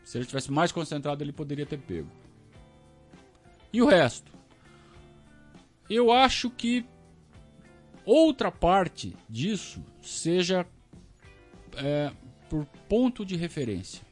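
A Brazilian man hosting a casual live stream, talking to his audience in an animated, ranting way. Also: a little high, slow, pauses often, faint music behind. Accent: Brazilian Portuguese. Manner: animated, talks to the audience, rants and self-questions. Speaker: podcast host reading superchats. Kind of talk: casual live-stream chat about football.

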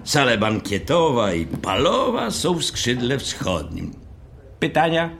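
An actor playing a pompous, officious hotel manager in an audio drama, speaking in a formal, methodical way. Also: male voice, medium pitch, huge pitch swings, slow pace, creaky, fairly bright tone, slight background noise, exaggerated voice. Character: officious, pompous male hotel manager briefing a new caretaker.

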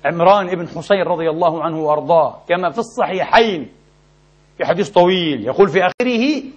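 A man preaching a sermon in a mosque, impassioned and emphatic, with sharp rises in his delivery. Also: on the high side, fast talker, husky. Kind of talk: Friday sermon. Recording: dull lo-fi recording.

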